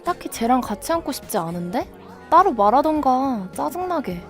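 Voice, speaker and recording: A woman's voice: sits high, big pitch swings, normal speed, soft background music. A woman playing a prickly young woman. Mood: annoyed. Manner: irritated, curt. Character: irritable, sharp-tongued young woman. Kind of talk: student radio drama.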